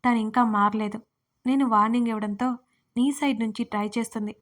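A woman voicing a calm young husband. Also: fairly high pitch, brisk, close to an everyday voice. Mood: reassuring.

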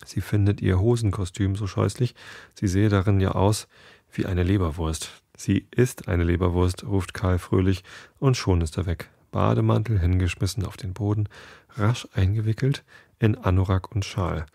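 Male sleep-podcast host reading a bedtime story, calm, gravelly and husky, dry close mic. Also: low voice, normal speed, no echo. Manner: calm reading, restarts sentences after slips.

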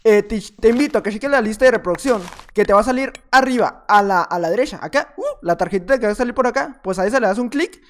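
A man's voice: high-pitched, fast talker, few pauses. Playful gamer man, rambling. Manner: playful, rambling, teasing opponents. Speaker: gaming video creator. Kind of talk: casual gameplay commentary.

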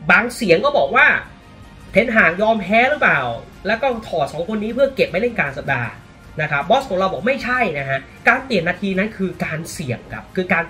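Animated Thai man talking football. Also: high-pitched, a little fast, soft background music. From Thailand. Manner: animated, exclaims often. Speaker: football commentator. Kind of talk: casual football commentary.

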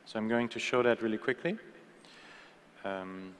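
A man in his thirties presenting a live software demo at a conference keynote, talking casually with many fillers and restarts from a podium mic. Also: on the low side, normal speed, slight background noise. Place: large conference hall stage. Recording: long hall reverb.

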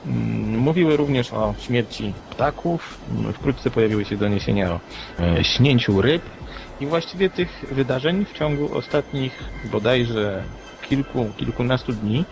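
A man's voice: medium pitch, lively intonation, unhurried, gravelly, noisy background. A man co-hosting a podcast, giving commentary in wordy, reflective sentences. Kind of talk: unscripted news commentary. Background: music playing under the voice.

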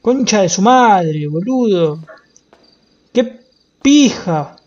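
Profane, excitable Argentine man. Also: sits high, drawn-out words, lo-fi sound. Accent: Rioplatense Argentine. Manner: profane, excitable, bursts into loud wailing. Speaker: streamer playing a roleplay game. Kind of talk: casual gaming chat.

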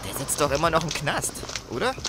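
An actor playing a brash, jokey young street buddy in a German radio play. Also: male voice, a little high, sing-song, brisk, noisy background. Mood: curious.

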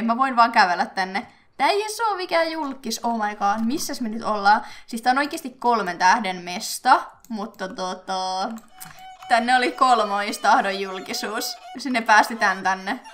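A young woman from Finland chatting casually as she plays a life-simulation game, thinking aloud with fillers and quick bursts of excitement. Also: a little high, soft background music. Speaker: gaming YouTuber. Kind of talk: casual let's-play commentary.

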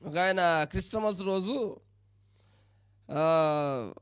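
A man's voice: high voice, very slow, a bit bright, clear, resonant tone, no echo, clean studio sound. A man preaching a sermon as pastor, pressing his listeners with pointed questions.

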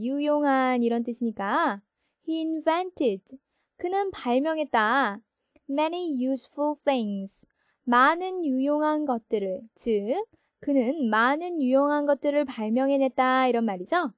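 A woman's voice: high-pitched, expressive, takes it slowly, dry recording, studio quality. A woman teaching English grammar to Korean learners, explaining each sentence patiently and step by step. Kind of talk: recorded lesson explaining a textbook.

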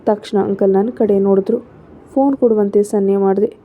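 A woman's voice: mid-range voice, steady tone, a little fast. A woman narrating a story in the first person, reading steadily. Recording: phone-like narrow sound.

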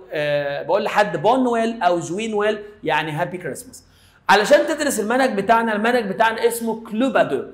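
A man with an Egyptian Arabic accent giving a playful, casual French lesson, explaining slowly with little stories. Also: high-pitched, roomy sound. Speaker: French teacher.

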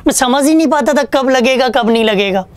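A man's voice: very high-pitched, fairly quick, smooth, no echo. A man teaching an online exam-prep English lesson, chatty and joking, asking questions and answering them himself. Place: online class studio with a whiteboard.

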